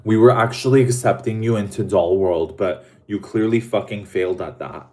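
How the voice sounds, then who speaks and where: A man's voice: fairly low pitch, normal speed, warm tone. A man hosting a casual livestream, talking in a dramatic, camp way to his viewers while he eats. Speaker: livestream host.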